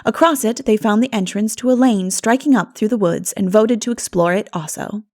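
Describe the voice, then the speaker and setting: A woman reading a classic novel as an audiobook narrator, in an expressive storytelling manner. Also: medium pitch, moderate pace. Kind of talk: scripted literary narration.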